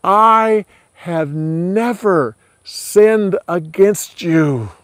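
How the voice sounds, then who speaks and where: An earnest young hero, as a male storyteller puts him on, pleads in a raised, animated voice that climbs and falls widely. The delivery is slow and the sound is dry and close. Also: sits high, no room sound, voice pushed up, heavily acted. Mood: pleading.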